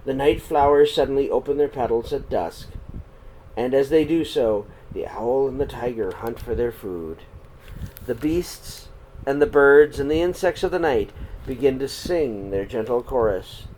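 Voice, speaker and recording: A man reading a story aloud for children in an expressive, dramatic storytelling style. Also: medium pitch, measured pace, low-quality recording. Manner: dramatic, swinging between hushed and projected. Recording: clear background noise.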